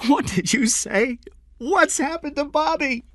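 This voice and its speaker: A narrator voicing an anxious, frantic mother with a shrill, pleading delivery. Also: huge pitch swings, slow, fairly bright tone, no echo, studio quality, heavily acted. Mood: panicked. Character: frantic mother, high-pitched and anxious woman.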